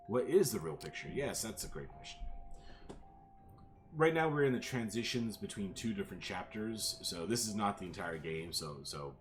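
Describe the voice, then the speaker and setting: A man with a very deep, low voice plays through a story game on stream. He reads the dialogue aloud and breaks off for casual asides to his viewers, while game music plays clearly in the background. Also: animated, measured pace, pauses often. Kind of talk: let's play, reading game text aloud.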